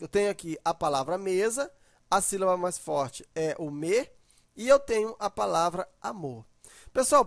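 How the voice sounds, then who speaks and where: A man teaches a grammar lesson in a fairly high voice. He explains patiently, tags his sentences with little questions, and stretches out example words to show how they sound. The recording is dry and close, with no room sound. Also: creaky, fairly bright tone, no echo. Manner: tag questions sprinkled through.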